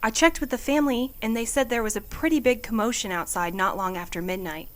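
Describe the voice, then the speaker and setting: A woman acting as an inquisitive friend in an audio drama. She talks casually and helpfully, explaining as she goes. The delivery is relaxed dialogue, like everyday conversation. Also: a little high, fast talker, lightly acted. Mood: puzzled, explaining. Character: helpful, inquisitive female friend piecing things together.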